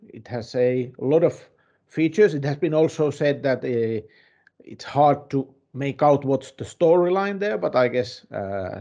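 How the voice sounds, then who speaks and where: A man's voice: medium pitch, dark tone, dull audio, pitched above the performer's own voice. A man playing a bumbling, easygoing gaming correspondent, rambling hesitantly through a comic news report.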